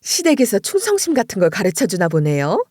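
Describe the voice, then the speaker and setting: A woman's voice: mid-range voice, brisk, no echo, studio quality. A woman voicing a cheeky, unflappable middle-aged mother who teases with sly composure. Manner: sly, deadpan teasing.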